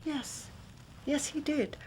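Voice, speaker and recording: An actress playing a grave young Victorian woman who tells her story in measured, formal speech, sometimes dropping to a hushed whisper. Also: sits high, fairly even intonation. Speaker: client telling her story. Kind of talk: period radio drama acting.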